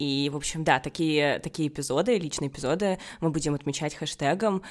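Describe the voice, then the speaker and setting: In a very clean recording with a silent background, a woman speaks at a very deep, low pitch with ordinary pitch variation. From Russia, Moscow. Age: 20s. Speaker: podcast co-host, data analyst. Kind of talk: casual chat.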